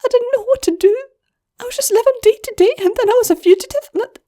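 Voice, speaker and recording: A woman voicing a young, timid female goblin filly who babbles tearfully in a very high voice. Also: fast talker, mellow.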